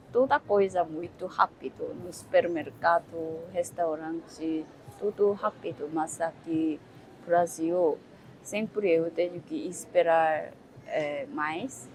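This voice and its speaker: A woman from South Korea with a Korean accent, answering interview questions in halting second-language speech, pausing often to search for words. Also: fairly low pitch, slight background noise, poor audio.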